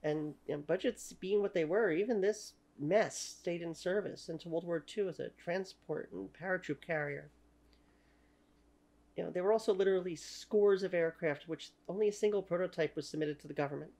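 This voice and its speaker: A woman's voice: fairly low pitch, moderate pace, dark tone. Canadian woman in her 30s, native French speaker, opinionated history host talking to camera at home. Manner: opinionated, many "you know" fillers. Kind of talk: talking-head history lecture. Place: small room at home.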